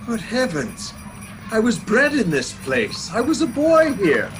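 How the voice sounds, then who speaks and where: An actor in a radio play voicing a miserly old man softened by memories, hesitant and full of feeling. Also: high-pitched, huge pitch swings, unhurried, over music, heavily acted, rough recording. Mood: astonished, excited. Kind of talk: dramatic radio play acting.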